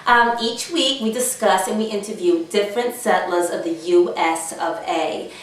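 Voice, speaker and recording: A woman's voice: medium pitch, normal speed, lightly acted. Woman playing a brassy talk show hostess, echoey room. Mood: mocking. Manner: theatrical, chatty, mocking. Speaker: talk show host character. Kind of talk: comedy character sketch, mock talk show. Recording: echoey room, distant microphone.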